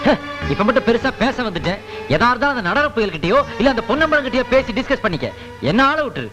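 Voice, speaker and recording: A man's voice: very high voice, very animated, over music. A man playing a wisecracking sidekick husband in a film comedy, full of puns. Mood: mocking. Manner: punning, quick-talking.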